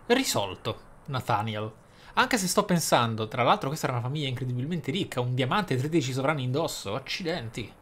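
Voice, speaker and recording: A man's voice: medium pitch, expressive, fairly quick, fairly bright tone, slight background noise. A man giving casual gameplay commentary in a theatrical way, with flowery wording and exclamations. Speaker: gaming video host. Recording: music behind the voice. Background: game music.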